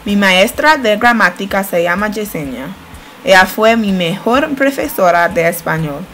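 Young woman, careful learner's narration, mid-pitched voice, faint music underneath. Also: animated, measured pace, a bit bright. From United States. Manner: plain, careful learner's delivery. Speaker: student narrating a study-abroad video. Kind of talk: read-aloud voice-over narration.

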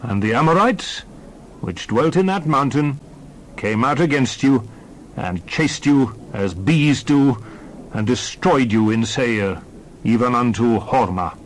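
A man's voice: medium pitch, animated, takes it slowly, a little hiss or hum, poor audio. A man playing a solemn prophet addressing his people, grave and oratorical, in a dramatized scripture reading. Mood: solemn, admonishing.

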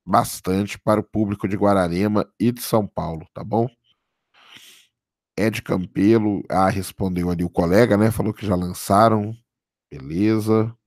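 A man, hoarse from a cold, casually commenting on a live stream and answering viewer chat, often checking in with "tá?". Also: fairly low pitch, steady tone, normal speed, a little mellow, no room sound, studio quality. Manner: casual, keeps adding "tá?" for confirmation. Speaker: livestream host.

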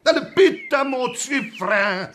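Casting: theatrical schoolmaster, high voice, slow deliberate pace, pedantic radio-play manner. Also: male voice, animated, a bit bright, a little hiss or hum, full character voice. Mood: pedantic, needling. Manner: theatrical, questioning classroom delivery. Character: agitated schoolteacher, Mr Laurent, pedantic and darkly cheerful. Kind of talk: radio drama acting.

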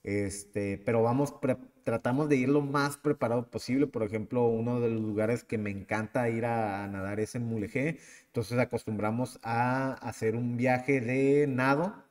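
A man in his thirties with a Mexican accent, hosting a podcast and telling a personal story in a lively, casual way. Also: medium pitch, normal speed, big-room sound. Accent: Mexican Spanish. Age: 30s. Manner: animated, acts out the people in his story. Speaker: podcast host.

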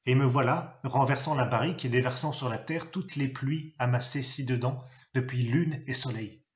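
A man reading a novel aloud, telling it expressively and acting out a gruff father's shouted lines. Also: mid-range voice, normal speed. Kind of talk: literary reading.

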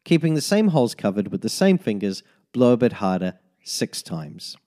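A man narrating a tin whistle lesson as a voice-over, giving slow, methodical step-by-step fingering instructions. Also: on the low side, big pitch swings, warm tone. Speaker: music teacher.

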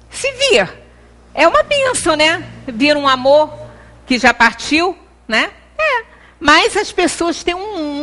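Bright-voiced Brazilian woman giving a spiritual talk. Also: high voice. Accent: Brazilian Portuguese. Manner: earnest, gesturing, many pauses and restarts. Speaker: lecturer at a spiritist center. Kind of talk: devotional talk. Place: meeting room, indoors. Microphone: far camera.

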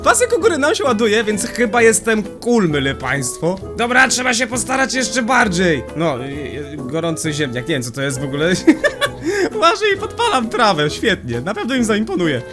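An excitable young man narrating a game, slangy and quick to laugh, his voice leaping high and dropping low. Game music plays clearly behind him. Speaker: gaming youtuber. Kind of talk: Minecraft let's play commentary.

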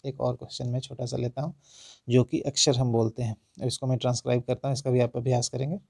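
A man with an Indian accent, teaching English pronunciation in a lesson. His voice is low in brightness and mellow, with some gravelly fry, and it sounds dry and close to the mic. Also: level tone, dry recording. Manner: explains slowly, then reads example sentences word by word with stress. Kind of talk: spoken English lesson in Hindi.

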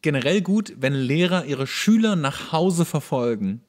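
Lively male podcast co-host, ironic. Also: a little high, a little slow. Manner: ironic, crude joking. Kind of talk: casual chat, commenting on a TV show while watching.

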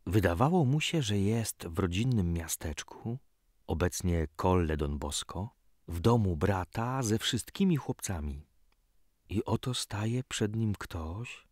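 A man with a low voice narrates a scripted story like an audiobook. His delivery is unhurried and measured, with a dramatic storyteller's touch. The recording is dry and close. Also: darkish tone, no echo. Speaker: narrator reading a religious story.

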